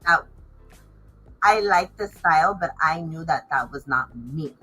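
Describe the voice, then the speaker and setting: A woman's voice: sits low, lively intonation, a little slow, pushed and bright, husky, soft background music, poor audio. A woman chatting casually as a fashion designer in an interview, stressing words emphatically. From Los Angeles area, United States.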